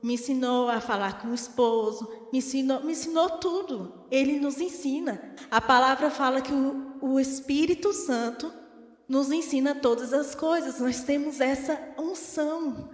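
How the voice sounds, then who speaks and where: A woman with a Brazilian Portuguese accent preaching a teaching sermon in an animated way, acting out the voices she quotes. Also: high-pitched, normal speed. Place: church hall. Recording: echoey church hall.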